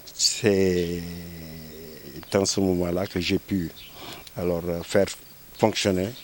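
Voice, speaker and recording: Speaking very slowly, a man with a very deep, low voice leaves long, frequent pauses. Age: 70s. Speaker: inventor. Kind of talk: interview. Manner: halting, many fillers and repetitions.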